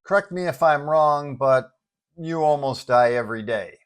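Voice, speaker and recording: A man voicing a calm, dry right-hand man to a hero, deadpan and slyly dismissive. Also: fairly high pitch, normal speed, smooth, lightly acted.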